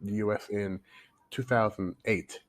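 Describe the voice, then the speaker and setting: A talkative man in his forties, raised in Canada, telling his life story in a podcast interview. His voice sits fairly low, and he restarts sentences and repeats words while he thinks. He talks in a loose, casual way. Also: fairly even intonation, a little slow. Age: 40s. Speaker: guest, coach. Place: home in China, remote call.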